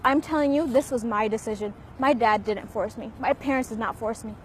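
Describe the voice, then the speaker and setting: A young woman answers with lively, sarcastic animation. Her voice sits fairly high. She speaks outdoors with a faint hum of noise around her. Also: a little fast. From born in Pakistan, raised in the United States. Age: young adult. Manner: animated, mimics others' questions with sarcasm. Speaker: university student interviewee. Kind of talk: candid interview answers.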